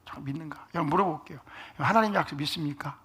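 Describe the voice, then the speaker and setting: A man's voice: fairly high pitch, racing, pushed and bright, slightly rough. A middle-aged male pastor preaching a sermon, asking the congregation questions and dropping to near-whispers for emphasis. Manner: asks the congregation questions, calls for amens.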